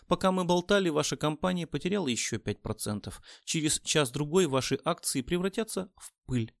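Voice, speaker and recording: A man's voice: fairly high pitch, animated, brisk, vocal fry, dry recording, studio quality. A man voicing a defiant male businessman in an audiobook, speaking in a firm, steely way.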